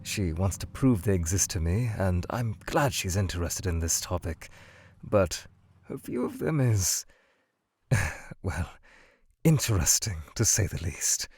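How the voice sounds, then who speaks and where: A man voicing a formal, anxious male skeleton scientist who is lost in a void, speaking in a measured way that can turn frantic and pleading. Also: low-pitched, sing-song, creaky, darkish tone, exaggerated voice. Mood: composed. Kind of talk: fan audio drama. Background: music.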